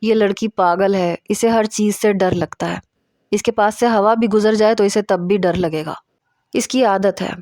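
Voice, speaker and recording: A woman voicing a sharp-tongued young female friend who scolds and teases. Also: medium pitch, steady tone, dry recording, clean studio sound, natural voice. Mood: scolding. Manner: scolding, impatient.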